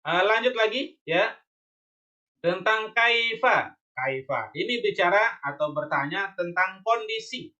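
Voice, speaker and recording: A man's voice: high-pitched, lively intonation, slow pace, bright, forceful tone, lo-fi sound. A man teaching Arabic in an online lesson with shared slides. He is patient and repeats each point, checking in with a questioning "ya?" and "oke?".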